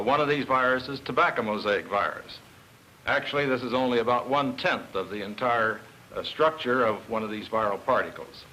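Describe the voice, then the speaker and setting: A man's voice: medium pitch, bright, forceful tone. A man giving an explanatory, emphatic science lecture as a virologist presenting an educational film. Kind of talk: science lecture demonstration with models. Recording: noisy 1960 educational film soundtrack.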